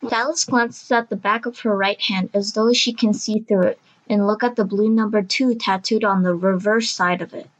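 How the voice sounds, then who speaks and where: A woman's voice: medium pitch, fairly even intonation, normal speed, few pauses, muffled recording. A woman reading scripted story narration for an audio drama.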